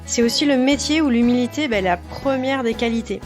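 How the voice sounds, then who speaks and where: A woman's voice: a little high, brisk, music in the background. A woman hosting an interview podcast, chatting casually with many fillers and speaking straight to the listener. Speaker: podcast host.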